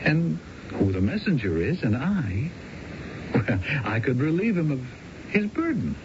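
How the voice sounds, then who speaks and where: Through a noisy, dull old radio broadcast comes a cocky American ex-con schemer. He is glib and utterly unabashed, his lowish voice swinging freely as he makes his pitch in 1970s radio-drama style. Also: very animated, unhurried. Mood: sly, needling. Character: brazen male ex-convict hustler, cocky, smooth-talking schemer. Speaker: actor in a radio mystery drama.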